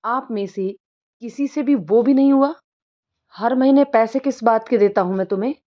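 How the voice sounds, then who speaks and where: A woman's voice: medium pitch, unhurried, muffled recording, close to an everyday voice. A woman voicing a short-tempered rich young man who scolds his servants but cares for his grandmother, in a storybook reading. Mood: angry. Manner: sharp, commanding, scolding.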